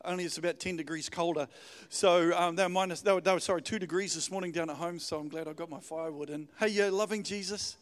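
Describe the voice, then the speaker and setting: A man's voice: sits high, steady tone, fast talker. A middle-aged man preaches informally, urging his congregation and repeating phrases for emphasis. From New Zealand. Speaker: guest pastor. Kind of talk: sermon to a congregation. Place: church hall, speaking to congregation. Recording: reverberant hall sound.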